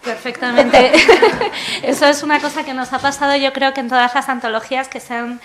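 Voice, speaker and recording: A woman's voice: sits high, fairly even intonation, fairly quick. A woman, a publisher, moderating a poetry panel with enthusiasm. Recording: echoey hall.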